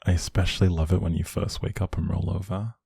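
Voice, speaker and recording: A man performs a doting young boyfriend in an intimate audio roleplay, talking one-to-one with gentle teasing and affection. His voice is deep, dark and soft with a husky grain, recorded very dry. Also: little pitch movement, fast talker, dry recording, heavily acted. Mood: tender. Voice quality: low, soft, husky, creaky.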